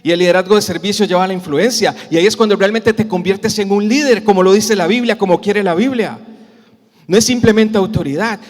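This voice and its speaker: A man with a Costa Rican Spanish accent preaches to a congregation, asking them questions and acting out the cries of the people in his story. His voice sits high for a man. The church hall gives it a long, ringing reverb. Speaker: pastor. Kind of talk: sermon.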